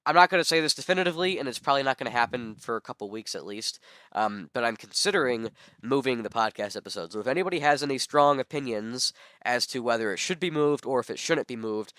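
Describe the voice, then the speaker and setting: A young man hosts his podcast alone while sick, his voice hoarse yet smooth and resonant underneath. He rambles, trips over himself and fills gaps with ums. The sound is dry and close. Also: medium pitch, fairly bright tone, no echo. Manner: rambling, many ums and self-corrections. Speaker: podcast host. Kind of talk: solo podcast monologue.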